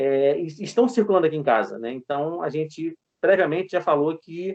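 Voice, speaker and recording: A plain, everyday voice. It moves at a moderate pace with ordinary pitch variation. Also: man. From Rio de Janeiro, Brazil (north zone, Ilha do Governador). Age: 50s. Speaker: nurse. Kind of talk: interview.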